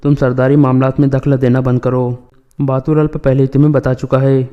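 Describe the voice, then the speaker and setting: Man reading a treacherous tribal lord plotting, flat smooth voice. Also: mid-range voice, muffled recording, lightly acted. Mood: angry.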